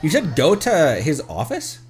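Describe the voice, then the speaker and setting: Animated man streaming a game. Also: fairly high pitch, a little slow, husky, faint music behind. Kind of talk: casual live game stream commentary.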